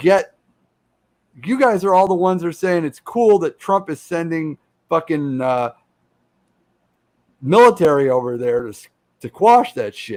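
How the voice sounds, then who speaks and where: On a very clean recording with a silent background, a man speaks at a high pitch with very wide pitch swings, big swings in loudness and long, frequent pauses. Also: moderate pace. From Canada. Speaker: podcaster guest on live stream. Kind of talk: heated debate. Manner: animated.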